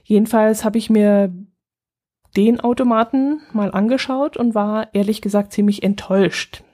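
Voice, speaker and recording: A woman hosting her own podcast, chatting in an easygoing way. Her voice has a mellow, darker tone at a middle pitch. She talks loosely, with frequent fillers and little laughs. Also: steady tone, moderate pace. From Allgäu, Germany. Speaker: podcast host. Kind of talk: casual solo podcast chat.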